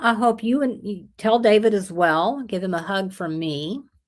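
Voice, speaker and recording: The pace is fairly slow in an unremarkable speaking voice with ordinary pitch variation. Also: woman. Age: 60s. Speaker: livestream host, diamond painting hobbyist. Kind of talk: casual chat, reading viewer comments.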